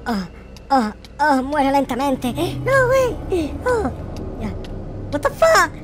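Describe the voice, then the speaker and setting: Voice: lively intonation, slow, background noise. A performer voicing a naive, easily panicked young boy in a video game roleplay, whining and exclaiming. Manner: high-pitched, whiny, exclaiming, gasping.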